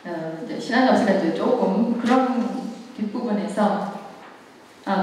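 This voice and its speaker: A woman in her sixties giving an earnest, emotive public lecture with expressive recitation and conversational asides to her listeners. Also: medium pitch. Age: 60s. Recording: echoey hall, distant mic, background noise.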